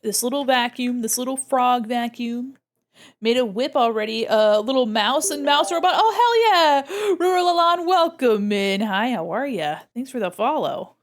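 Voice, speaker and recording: A woman's voice: a little high, animated, normal speed. A young woman streaming her drawing live, chatting playfully with viewers and giggling often. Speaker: VTuber art streamer. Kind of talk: casual live-stream chat while drawing.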